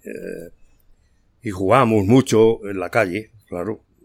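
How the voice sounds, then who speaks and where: The speaker is a man with a fairly low pitch. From Spain. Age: 60s. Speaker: host's father. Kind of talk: casual chat. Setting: studio.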